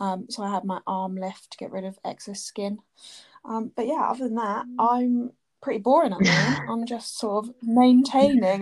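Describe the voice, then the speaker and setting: A woman with a southern English accent talks at a fairly slow pace, using ordinary pitch variation. The background is quiet. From southern England, Southampton. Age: 20s. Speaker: podcast co-host. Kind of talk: casual chat.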